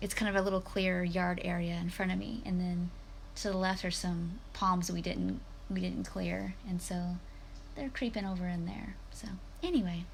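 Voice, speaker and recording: A soft-spoken woman with a medium pitch and a somewhat breathy voice talks with fairly even intonation, and some room echo can be heard. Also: moderate pace. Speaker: dietitian. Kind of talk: casual vlog talk.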